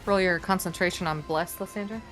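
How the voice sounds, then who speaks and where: A woman with a lowish voice runs a tabletop game as dungeon master. She narrates and gives rulings in a calm, matter-of-fact way, with faint music playing behind her. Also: brisk.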